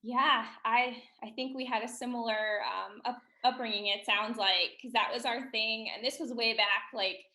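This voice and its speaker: A woman in her thirties from Missouri with a Midwestern accent, chatting as a podcast guest, laughing often and filling pauses with ums. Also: fairly high pitch, fairly even intonation, sharp tone, reverberant. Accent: Midwestern American. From Missouri, USA. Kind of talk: casual interview chat.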